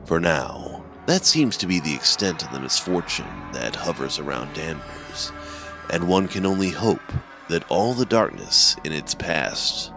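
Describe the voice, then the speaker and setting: A man with a low, deep voice hosts a horror story show. His delivery is ominous and theatrical, swinging widely in pitch over a music bed. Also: sing-song, measured pace. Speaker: horror anthology podcast host and narrator. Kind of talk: scripted horror narration, theatrical host introductions.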